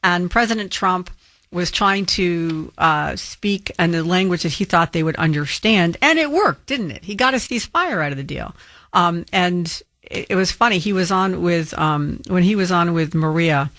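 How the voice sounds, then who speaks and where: A woman's voice: fairly low pitch, animated, moderate pace, fairly bright tone, no room sound, clean studio sound. A woman filling in as a talk radio host, firmly rebutting a caller with frequent ums. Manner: firm and argumentative, with frequent ums.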